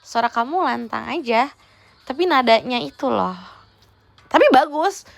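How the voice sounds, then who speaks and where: A woman's voice: high-pitched, expressive, unhurried, vocal fry, dry recording. A young woman, chatting teasingly in a playful role-play livestream and dropping in English words. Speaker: idol livestreamer.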